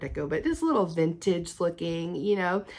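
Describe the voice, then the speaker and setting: With a Memphis accent, a woman of fairly low pitch speaks at a moderate pace over a quiet background. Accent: Southern US (Memphis). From US South, Memphis, Tennessee. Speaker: cross-stitch vlogger. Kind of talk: casual show-and-tell vlog. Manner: chatty, many fillers; may talk too loud.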